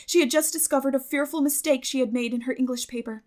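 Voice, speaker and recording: An earnest teenage girl from a storybook, acted out by a woman narrator. Her voice sits high and pushes forward emphatically. She is talkative and dramatic, gushing out her feelings with great expression. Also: steady tone, fast, a little mellow, natural voice. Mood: chatty, earnest.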